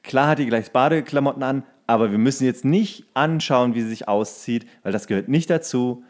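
A man's voice: medium pitch, fairly quick. A man co-hosting a podcast in casual, colloquial chat, telling anecdotes and re-enacting the dialogue as he goes. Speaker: podcast co-host and actor.

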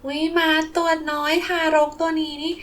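A woman plays a sweet little girl in a toy play, with a very high voice. She is eager and polite, and exclaims excitedly. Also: normal speed. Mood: delighted. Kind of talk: children's toy play storytelling.

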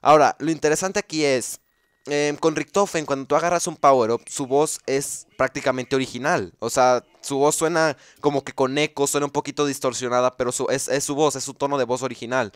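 A man talks through a video game theory in a loose, explanatory way, pausing on fillers and restarting his sentences. His voice is smooth and clear and sits at an ordinary pitch. It is recorded dry and close, with no room sound. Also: fairly even intonation, dry recording. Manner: thinks aloud, with frequent fillers and restarts. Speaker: gaming YouTuber explaining game lore. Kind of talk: casual explanatory commentary.

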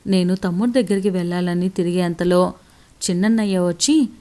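A woman's voice: fairly low pitch, a little fast, mellow. A woman narrating a romantic story in the first person, in an intimate, emotional storytelling manner.

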